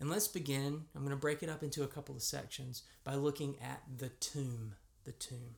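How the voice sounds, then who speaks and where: A man with an American accent, fairly high pitch, ordinary pitch variation, somewhat breathy voice, and moderate pace. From United States. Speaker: preacher. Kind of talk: sermon.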